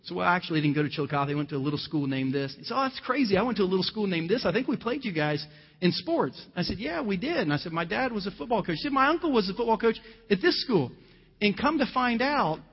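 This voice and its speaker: Ohio guy preaching, chatty story style, voice a bit high, long church echo, kinda dull sound. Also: expressive, fairly quick, husky. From Ohio, USA. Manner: conversational storytelling with scripture quotes. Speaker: pastor. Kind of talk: sermon.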